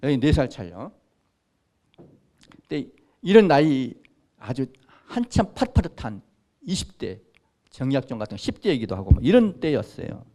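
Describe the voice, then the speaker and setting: A priest in his sixties gives an informal history lecture in a lecture room, speaking conversationally and asking his audience questions between asides. His medium-pitched voice is warm and sing-song, at a normal pace with long pauses.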